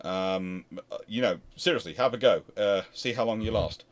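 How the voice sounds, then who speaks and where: A man's voice: on the low side, normal speed, crowd noise. A British man in a casual livestream history discussion, hosting and answering questions in a rambling, emphatic way that often interrupts itself. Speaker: host answering viewer questions.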